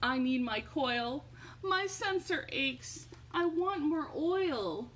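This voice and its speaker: A woman voicing needy, childlike little robots from a bedtime storybook in a squeaky, shrill voice. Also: expressive, takes it slowly, a bit bright, exaggerated voice. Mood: needy, restless. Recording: home recording with faint background noise.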